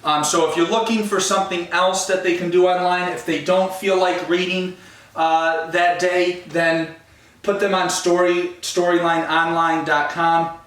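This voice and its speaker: A male teacher giving his pupils plain, unhurried instructions in a casual way, heard far from the mic in an echoey room. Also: a little high, a bit bright.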